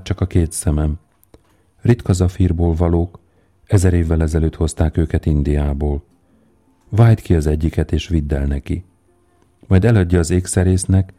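A man voicing a gentle, selfless prince statue in a read fairy tale, speaking in a soft, calm and grave way. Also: low voice. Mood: grave, tender.

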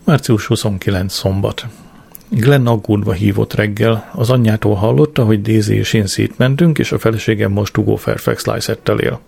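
A man's voice: on the low side, fairly even intonation, creaky, darkish tone, slightly rough, no echo. A man reading a diary-style audiobook in a dry, matter-of-fact way. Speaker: audiobook narrator. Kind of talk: scripted diary narration.

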